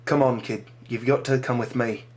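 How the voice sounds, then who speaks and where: A man voicing a weary but kind soldier who speaks gently and coaxingly. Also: mid-range voice, fairly even intonation, normal speed, lightly acted.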